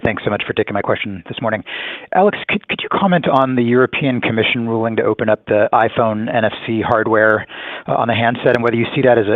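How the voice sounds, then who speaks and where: Brisk man on a tinny phone line. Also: fairly low pitch, dry recording. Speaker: financial analyst. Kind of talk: question on earnings call.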